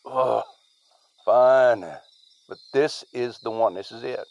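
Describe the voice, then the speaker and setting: A man playing a gruff, stubborn, wounded man in a naturalistic audio drama, grumbling and curt. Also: mid-range voice, steady tone, slow, darkish tone, highs cut off. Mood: exasperated, coaxing.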